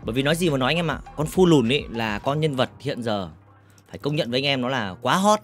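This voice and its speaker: A man livestreaming a game in casual chat, reading out viewer comments and teasing them, often repeating words in quick bursts. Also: mid-range voice, lively intonation, faint music behind. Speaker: gaming livestreamer.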